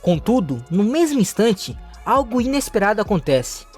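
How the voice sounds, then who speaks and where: Lively recap narrator, faint music. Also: mid-range voice, normal speed, husky. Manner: steady reading with small restarts. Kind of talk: recap narration, read aloud.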